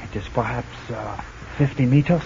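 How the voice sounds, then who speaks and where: A man's voice: mid-range voice, normal speed, gravelly, warm tone, lightly acted. A man playing a curt resistance fighter with stiff foreign word order, in old-time radio drama style. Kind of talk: 1940s radio acting. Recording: dull old radio recording, faint hiss.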